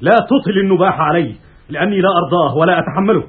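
An actor playing a proud, hot-tempered Roman general, seething with anger and threatening, in classical Arabic radio theatre style. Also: male voice, high-pitched, expressive, very fast. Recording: muffled, raspy, phone-like old radio recording.

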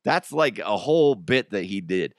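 Male host, low pitch, slightly strained voice, casual rambling anecdotes, very dry close recording. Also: very animated, moderate pace, no room sound. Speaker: podcast and radio host.

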